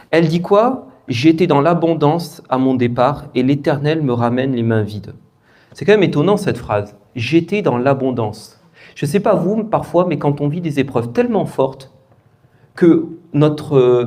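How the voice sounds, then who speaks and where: A man's voice: medium pitch, darkish tone. A man with a French accent preaching a sermon in church, often asking his congregation questions in a conversational way.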